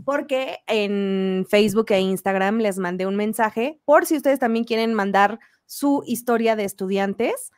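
A young woman chats brightly with her viewers. Her voice is fairly high. It is recorded close on a studio mic in a dry home room. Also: no room sound. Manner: friendly, lively, addressing viewers. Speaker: engineering YouTuber and host. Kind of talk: casual live chat, reading messages aloud. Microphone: studio mic in front.

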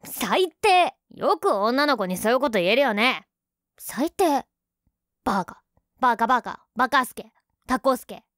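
A woman's voice: on the high side, lively intonation, fast, few pauses, a bit bright, no room sound, studio quality. A woman playing a young tsundere girlfriend in an ASMR role-play, huffy and sulky but affectionate underneath. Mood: huffy, scolding.

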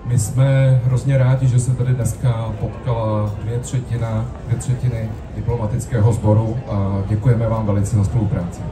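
A man's voice: mid-range voice, level tone, few pauses, over music. A man giving a hesitant thank-you speech as an organiser on an open-air festival stage. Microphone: stand mic through PA, recorded from audience. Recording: noisy, echoey stage PA from far off.

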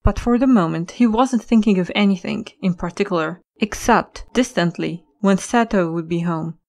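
A woman's voice: medium pitch, moderate pace, a little mellow. A woman reading scripted story narration as the narrator of an audio drama. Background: music.

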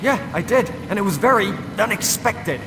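An actor playing a bewildered, panicky ordinary man in a video game, speaking urgently and haltingly in disbelief. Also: animated. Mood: confused, wary. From Toronto, Canada. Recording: loud rumbling machinery noise behind.

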